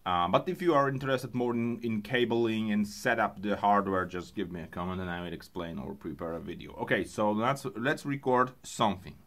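A man who speaks English as a second language, presenting an unscripted hands-on music gear tutorial in a halting way, thinking aloud. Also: lowish voice, fairly bright tone. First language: not English.

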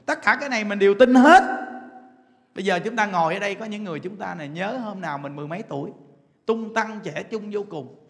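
A man with a Southern Vietnamese accent preaches a Buddhist sermon in a strikingly high voice. He peppers the crowd with rhetorical questions, chuckles, and stretches out words for emphasis. The sound rings with the long reverb of a temple hall. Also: expressive, quick pace, a bit bright. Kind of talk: dharma talk.

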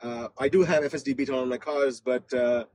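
A man from Australia giving casual, excited commentary as host of a test-drive vlog inside a car, often repeating his phrases. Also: mid-range voice, fairly quick, slight background noise. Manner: enthusiastic, repeats phrases, hesitant with frequent repetition.

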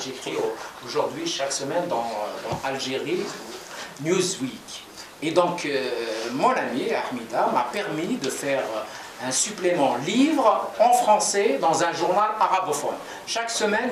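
A man in his forties, a Kabyle-born novelist, giving thoughtful, hesitant interview answers in a small office. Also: a little high. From Algeria, Kabylie. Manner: reflective, gestures while talking, many hesitations. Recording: echoey room from far off, crowd murmur.

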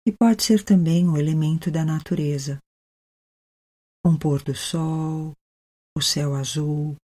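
A Brazilian woman leading a guided meditation, speaking gently and soothingly with long pauses. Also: low voice.

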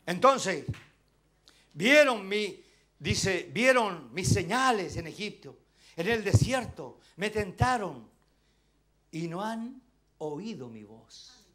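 Chilean pastor guy preaching, high voice, keeps asking the church questions, loud then quiet. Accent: Chilean Spanish. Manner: impassioned, swinging between shouts and near-whispers; calls out to the congregation with rhetorical questions. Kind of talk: sermon.

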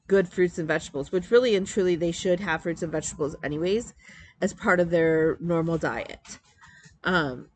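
A crafting vlogger in her forties from Metro Detroit, Michigan chats casually to a desk webcam in her indoor home craft room. Her lowish voice sounds congested and nasal, and she rambles with lots of ums and restarts. A faint hiss or hum sits under the audio.

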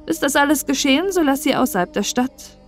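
A woman's voice: sits high, expressive, fairly quick, pitched above the performer's own voice. A woman reads as a solemn young prince in a fairy tale, playing the wise astrologer. The speech is formal and declaimed, over music. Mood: grave, advising.

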